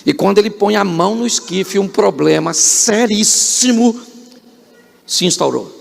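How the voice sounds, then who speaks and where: A Brazilian pastor with a high voice and a gravelly edge preaches in a church. He tells the story with humor and drama, rising and dropping sharply, and keeps quizzing the congregation with repeated questions. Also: expressive, unhurried. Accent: Brazilian Portuguese. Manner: dramatic storytelling with sudden rises and drops. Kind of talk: live church sermon.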